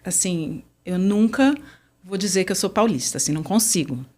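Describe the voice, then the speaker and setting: A woman's voice: on the low side, expressive, moderate pace. A woman from Brazil, a conference interpreter, chatting as a podcast guest and telling stories in a friendly, easygoing way. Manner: chatty, warm storyteller. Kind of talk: casual interview chat.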